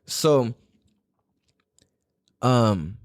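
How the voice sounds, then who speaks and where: A man's voice: medium pitch, animated, very slow, dry recording, clean studio sound. A young adult man hosting a podcast, telling a rambling, profane story in a casual solo style. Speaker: podcast host.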